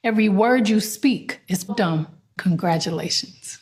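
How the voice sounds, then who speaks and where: A woman's voice: mid-range voice, a little slow, a little mellow, lightly acted. A woman playing a cold, scornful voice that recites insults in a cartoon parody.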